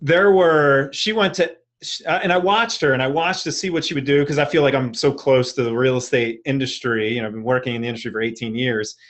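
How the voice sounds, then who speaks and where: A man's voice: medium pitch, brisk, a bit bright. A middle-aged man with a Philadelphia accent, talking casually and earnestly as a panelist, repeating points for emphasis. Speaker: real estate industry panelist. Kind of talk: casual panel talk, personal anecdotes.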